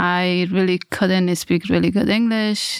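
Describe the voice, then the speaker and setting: With an Afghan accent, a woman speaks at medium pitch with fairly even intonation, the sound dry and close with no echo. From Afghanistan, Kabul. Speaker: refugee and community advocate. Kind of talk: interview conversation. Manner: halting, with many fillers.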